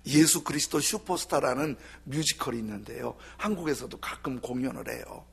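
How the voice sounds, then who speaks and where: A male pastor preaching a sermon with animated delivery that drops into soft, half-whispered asides. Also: mid-range voice, fairly quick, gravelly, breathy edge.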